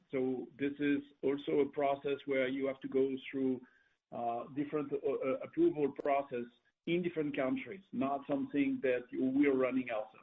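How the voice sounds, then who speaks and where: A man speaking as a company executive answering questions on an earnings call, often pausing and repeating his words as he rephrases. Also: mid-range voice. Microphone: conference call line. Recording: tinny, narrow phone conference line.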